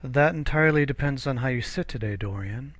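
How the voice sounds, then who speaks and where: A man voicing an earnest, worried painter who speaks in a hurried, slightly fretful way. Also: medium pitch, a bit bright, voice pushed up, natural voice.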